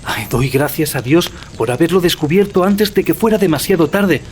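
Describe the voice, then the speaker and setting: Actor as anxious, high-voiced young male student. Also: expressive, moderate pace, a little hiss or hum, lightly acted. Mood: indignant. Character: anxious young male student, earnest, secretive clergyman's son. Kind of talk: audio drama acting.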